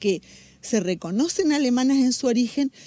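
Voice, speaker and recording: A woman speaks at a moderate pace in a high pitch, her tone dark and mellow, with a dry, close sound and no echo. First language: German (speaking Spanish). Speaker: community association leader. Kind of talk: news interview. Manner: halting, many restarts.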